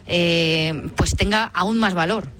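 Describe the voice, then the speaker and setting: A woman's voice: fairly low pitch, slow pace, a bit bright. A woman reporter interviewing a guest on location, asking chatty, prompting questions.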